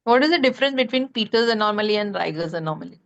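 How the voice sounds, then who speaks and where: A woman with a South Asian accent speaks as an examiner in an oral exam. Her questioning is brisk and challenging. The online audio sounds somewhat muffled. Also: medium pitch, expressive, gravelly, a bit bright. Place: webinar call.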